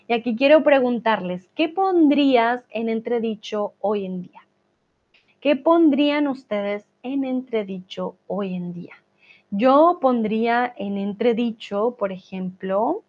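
A woman teaching a language lesson, explaining patiently, stretching out words and checking in with her students. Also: on the high side. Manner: patient explaining, drawn-out words, frequent "¿vale?" check-ins. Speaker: Spanish teacher. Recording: dull lo-fi recording.

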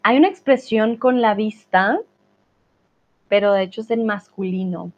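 Slow, patient teacher woman. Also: mid-range voice. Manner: patient explaining, drawn-out words, frequent "¿vale?" check-ins. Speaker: Spanish teacher. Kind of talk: online language lesson. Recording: dull lo-fi recording.

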